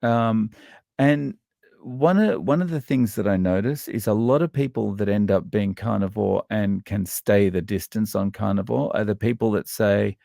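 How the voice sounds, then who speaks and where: An Australian man with a deep, heavily gravelly voice, speaking as an interview guest. He talks haltingly and thoughtfully, restarting sentences and leaning on fillers. The sound is close and dry. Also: mellow, no echo. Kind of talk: casual interview conversation.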